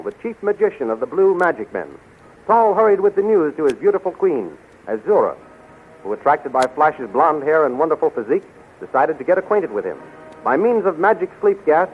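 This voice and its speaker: Tinny 1930s radio announcer guy, high voice, dramatic serial narration. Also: a little hiss or hum. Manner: dramatic, declamatory.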